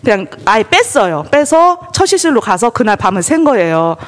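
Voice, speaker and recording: A woman stands before a church congregation and tells her own story of faith. Her pitch climbs and dips freely as she acts out the voices she quotes, and her voice lingers in the long reverb of the sanctuary. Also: big pitch swings, moderate pace. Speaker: church member giving testimony. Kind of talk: personal testimony at a church service.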